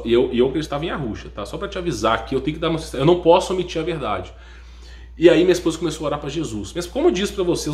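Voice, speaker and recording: A man with a fairly high, lively voice tells an emotional personal testimony to his viewers. He acts out the people in his story and keeps insisting he is not joking. The recording sounds like it was made in an echoey room. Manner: animated storyteller who acts out what others said; keeps stressing "no joke" and checking in with listeners. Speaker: YouTube channel host.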